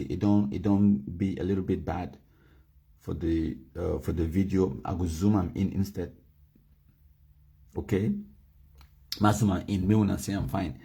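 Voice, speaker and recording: A Cameroonian man speaking Pidgin-flavoured English on a livestream, his voice low, dark and a little husky. He slows down to read out legal wording, leans hard on key words, then turns to his viewers and asks them to type in the comments. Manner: mixes Pidgin and English, reads documents slowly and stresses key words. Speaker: livestream host. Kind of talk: live broadcast commentary, reading legal text aloud.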